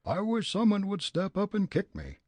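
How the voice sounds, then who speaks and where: A man reading a story and voicing an angry, gruff elderly rich man who blusters and shouts indignantly. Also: sits high, huge pitch swings, normal speed, no echo, studio quality, pitched above the performer's own voice, full character voice. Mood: furious.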